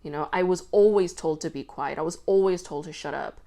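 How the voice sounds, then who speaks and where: A woman hosting a podcast, talking loudly and casually with lots of fillers. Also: sits low, a little fast, creaky. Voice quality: loud voice. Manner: chatty, filler-heavy with frequent "like" and swearing. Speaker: podcast host. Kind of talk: casual commentary monologue.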